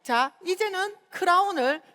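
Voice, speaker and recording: A middle-aged Busan woman speaks in a high, very animated voice, telling stories and calling out to the crowd. She gives a motivational talk at a seminar. Her voice rings with the long reverb of a large hall. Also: unhurried. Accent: Busan dialect of Korean. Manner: chatty and storytelling, often calling out to the audience. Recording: reverberant hall, stage mic.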